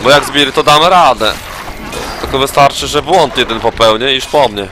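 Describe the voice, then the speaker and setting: A man's voice: mid-range voice, moderate pace, over music. A drunk man rambling and swearing as he comments on a zombie game he is playing. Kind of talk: profane let's play commentary.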